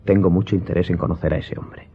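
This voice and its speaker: A man playing a courteous, curious young gentleman in a radio drama, speaking formally and earnestly. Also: deep voice, little pitch movement, fast talker, close to an everyday voice. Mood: curious, resolute. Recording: dull recording with background music.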